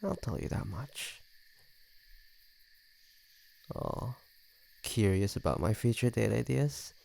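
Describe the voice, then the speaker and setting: Man voicing a smug, creaky low-voiced flirty vampire. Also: animated, unhurried, warm tone, slight background noise, full character voice. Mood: flirty teasing. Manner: teasing, smug, sardonic. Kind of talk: scripted audio roleplay addressed to the listener.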